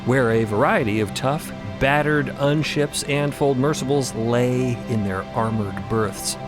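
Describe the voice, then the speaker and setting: A man's voice: medium pitch, measured pace, over music. A man co-narrating a fantasy audio drama, dramatic and scripted with casual asides.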